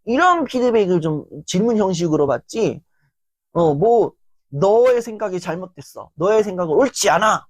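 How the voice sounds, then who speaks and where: A woman giving a motivational lecture in a lively, animated way, often acting out quotes. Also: medium pitch, moderate pace, no room sound. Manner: animated, acts out quoted lines.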